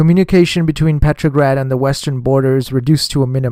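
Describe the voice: Fairly even intonation in plain reading aloud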